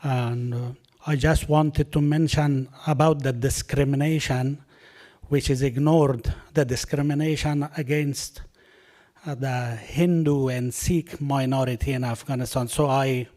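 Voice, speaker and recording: A man whose first language is Persian, giving a short, halting speech with many pauses and fillers before he performs. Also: mid-range voice, fairly even intonation, dark tone. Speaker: guest musician and poet. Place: award ceremony hall.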